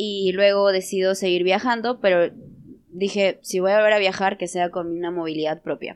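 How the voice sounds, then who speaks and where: A woman has an unremarkable speaking voice at medium pitch with fairly even intonation. The background is quiet. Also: moderate pace. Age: 20s. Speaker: traveler. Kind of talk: casual interview.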